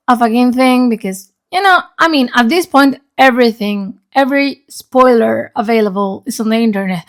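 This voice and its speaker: A woman giving a casual, chatty book review in an informal, sweary way, her voice grainy and unsteady as she recovers. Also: fairly high pitch. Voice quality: unstable, grainy voice. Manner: informal, sweary, often checks in with "okay?". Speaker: book reviewer, video channel host.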